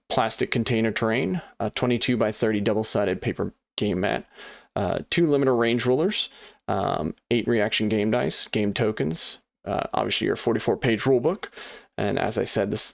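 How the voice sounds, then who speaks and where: A man's voice: fairly low pitch, gravelly, no room sound, studio quality. A man hosting a board game unboxing at his desk, talking in a rambling, chatty way with many fillers and restarts, and often apologizing. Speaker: board game channel host. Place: home desk.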